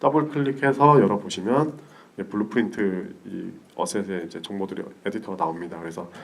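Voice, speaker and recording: Soft-spoken and fairly low in pitch, a man talks at a fairly quick pace with lively intonation. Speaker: technical artist presenting a game engine tutorial. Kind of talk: tutorial. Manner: fast.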